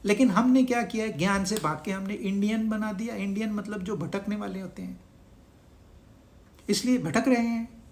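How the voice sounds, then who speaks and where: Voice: mid-range voice, normal speed, darkish tone, a little hiss or hum. A spiritual teacher giving a scripture discourse, asking the listeners rhetorical questions and mixing English words into the talk.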